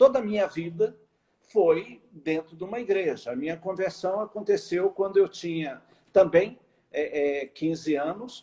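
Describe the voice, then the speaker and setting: Speaking fairly slowly, a man uses a high voice with a dark, mellow tone and ordinary pitch variation. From Brazil, interior of Minas Gerais. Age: 60s. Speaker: pastor. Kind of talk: interview.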